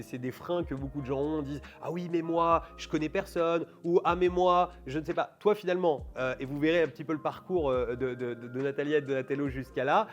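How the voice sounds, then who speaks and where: A man hosting an interview, talking in long, rambling turns. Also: fairly high pitch. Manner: rambling, full of fillers and restarts. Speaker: host. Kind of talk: casual interview chat.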